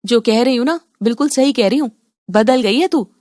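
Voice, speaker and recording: A woman's voice: on the high side, a little fast, a little mellow, no room sound, clean studio sound, lightly acted. Brief: jealous cartoon mother, woman voice, taunting and sulky. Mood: reproachful. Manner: taunting, reproachful.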